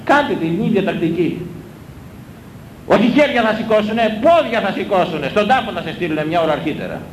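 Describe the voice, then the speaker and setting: A man preaching a sermon, scolding his listeners with rhetorical questions and hammering his points home through repetition. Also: animated. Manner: emphatic, repetitive exhortation. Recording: echoey room with low rumble.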